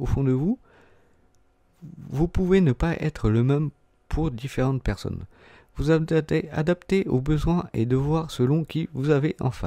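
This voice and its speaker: A man's dark, mellow voice, fairly high in pitch, with ordinary pitch variation, a fairly slow pace and long, frequent pauses, in a dry, close sound with no echo and a very clean recording over a silent background. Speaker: YouTuber. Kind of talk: voice-over fact narration.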